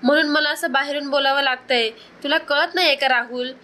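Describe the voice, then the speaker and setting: A sly young woman pours out melodramatic complaints, pleading and fussing, as a woman narrator puts her on. The voice sits high and sounds bright and sharp. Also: fairly even intonation, brisk. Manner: theatrical, pleading. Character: scheming young woman faking distress.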